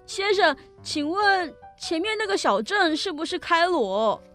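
A woman's voice: high-pitched, lively intonation, moderate pace, a bit bright, soft background music, pitched above the performer's own voice. A woman voicing an anxious young boy who is torn by guilt, in a children's storybook reading, hesitant and stammering. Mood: nervous. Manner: hesitant, stammering, worried inner voice.

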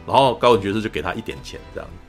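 Fast-talking podcast host. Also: male voice, lowish voice, breathy edge, soft background music. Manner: animated storyteller, keeps asking "you know?". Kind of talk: casual film review chat.

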